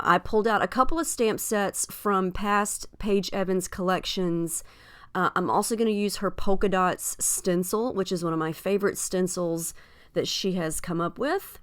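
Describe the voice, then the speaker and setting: A woman's voice: medium pitch, smooth. A woman hosting a casual crafting tutorial, chatty and friendly with frequent ums, her voice a little scratchy after being ill. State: slightly scratchy voice after illness. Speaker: scrapbooking video host.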